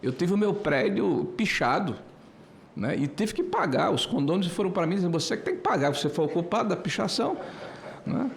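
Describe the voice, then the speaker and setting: A man in his sixties giving a committee floor speech, hesitant with many filler pauses, building to emphatic indignation. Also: high-pitched, very animated, creaky, a little hiss or hum. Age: 60s. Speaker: senator. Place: senate committee room.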